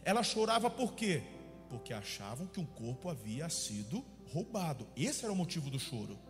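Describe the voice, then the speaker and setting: High, lively impassioned preacher. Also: male voice, normal speed, long reverb tail, over music. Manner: impassioned preaching, acting out the people he quotes. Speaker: pastor. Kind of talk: sermon.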